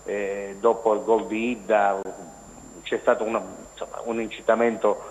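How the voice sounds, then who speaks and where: A male journalist phones in to a TV sports show, rambling through casual commentary with lots of fillers and restarts. His voice sits on the low side, delivered flatly at a normal speed. The echoey, hissing phone line makes it clearly sound like a call.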